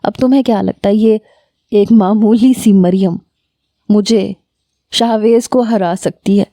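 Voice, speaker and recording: A menacing young man in a spoken story makes slow, gloating threats down the phone, as a woman narrator puts him on. The voice is dark and mellow. It is recorded dry and close. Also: medium pitch, steady tone, no echo, lightly acted. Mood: gloating menace.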